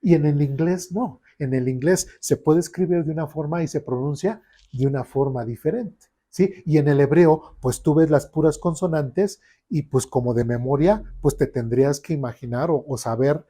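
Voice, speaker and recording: A man's voice: fairly high pitch, mellow. A man teaching an informal Bible class, talking conversationally and often checking in with the class. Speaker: Sunday school teacher. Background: class recorded in a church room.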